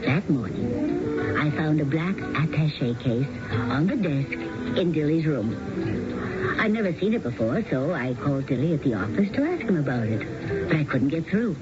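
Cool, coy female schemer, 1970s radio mystery, theatrical lively melody, dull old radio sound. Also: low voice, moderate pace. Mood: confiding. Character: sly, cool scheming wife and secret lover. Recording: muffled old radio broadcast with music.

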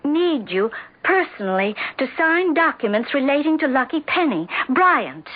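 An actress playing a distraught, insistent wife in a 1970s radio drama, speaking in halting, anxious repetitions. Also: female voice, high-pitched, very animated, a little hiss or hum. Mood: uneasy. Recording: dull vintage radio recording.

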